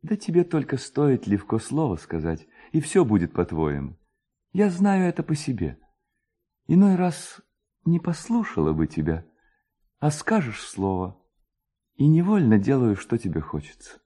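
A man voicing a shy, tender village girl in love, with a gentle, lilting delivery for a literary story. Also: mid-range voice, huge pitch swings, a little slow, breathy edge, pitched above the performer's own voice, heavily acted. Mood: affectionate.

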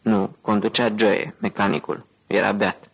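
A man reading the lines of a mocking, gum-chewing armed guard, with a low, husky, gravelly voice and an insolent drawl. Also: little pitch movement.

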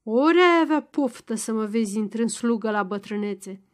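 A woman voicing a stubborn, crafty old peasant father-in-law who speaks in a loud, gruff, mocking way. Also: fairly high pitch, lively intonation, natural voice. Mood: angry, stubborn.

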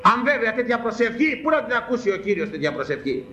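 Male preacher, lively rising voice, emphatic and questioning; roomy, dull recording with faint background hum. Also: very high voice. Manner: emphatic, fires repeated rhetorical questions at listeners. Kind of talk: sermon. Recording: echoey muffled room recording with faint ambience.

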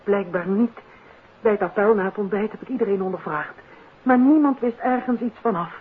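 A woman's voice: mid-range voice, a little fast, natural voice. An actress playing a bewildered, worried matron in charge of girls in a 1950s Dutch radio play. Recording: tinny, noisy 1950s radio recording.

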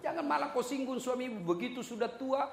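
A man preaching a sermon to a live audience, animated and joking, sometimes singing a line of a song. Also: very high-pitched, quick pace, creaky. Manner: animated, joking with the crowd, sings snatches of songs. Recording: echoey hall, light background noise.

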